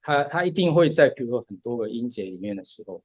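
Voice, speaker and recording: A man talks through musical ideas at an unhurried, patient pace, often dropping in short words of agreement. His voice is mid-pitched. It is recorded close and dry, with no room sound. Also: expressive, dry recording. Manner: patient step-by-step explaining, often says "对". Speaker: podcast co-host explaining music. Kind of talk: casual podcast chat.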